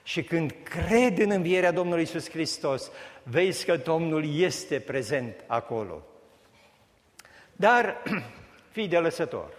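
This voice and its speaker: A man's voice: fairly high pitch, very animated. A man preaching a sermon, building emphatic repeated phrases and raising his voice at the peaks. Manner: emphatic preaching that rises to raised repetitions. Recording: long hall reverb.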